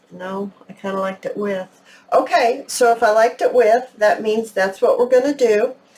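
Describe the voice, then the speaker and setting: This woman has a plain, everyday voice at a fairly high pitch. She moves at a moderate pace with ordinary pitch variation. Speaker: craft video host. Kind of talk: tutorial. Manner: casual, thinking aloud.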